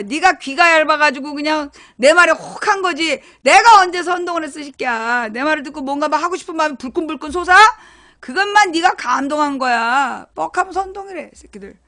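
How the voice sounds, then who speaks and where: A woman talks straight to her live-stream audience in a bright, high voice. She is blunt and teasing, drops swear words freely, and tells her stories with lively animation. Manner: storytelling, animated retelling. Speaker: internet broadcaster. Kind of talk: casual live-stream chat to viewers.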